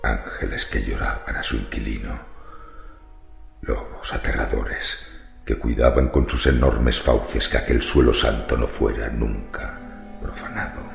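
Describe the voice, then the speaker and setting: A man's voice: a little slow, heavily acted. A man playing a macabre, brooding cemetery wanderer who confides morbid secrets in a theatrical horror radio monologue. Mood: brooding, eerie. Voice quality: very deep, gravelly creaking voice. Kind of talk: dramatic first-person horror radio monologue. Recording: roomy reverberant voice over music. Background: faint music.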